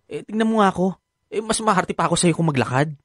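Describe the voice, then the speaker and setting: A man's voice: high-pitched, expressive, fast talker, no echo, studio quality. An actor playing a sassy, dramatic, effeminate gay man in a radio drama, with a Filipino accent and campy, exasperated delivery. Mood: wary.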